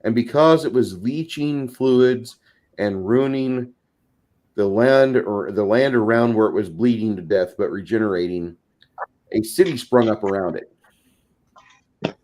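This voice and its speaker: A man's voice: fairly low pitch, a little slow, long pauses, darkish tone. A man casually explaining ideas as host of a tabletop gaming discussion, in a rambling, recommending way.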